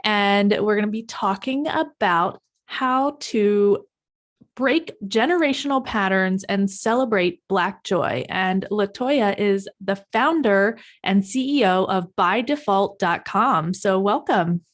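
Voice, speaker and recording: A woman's voice: medium pitch, slow. Host: woman, upbeat interviewer, mid-range voice, encouraging. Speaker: podcast host. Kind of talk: hosting an interview podcast.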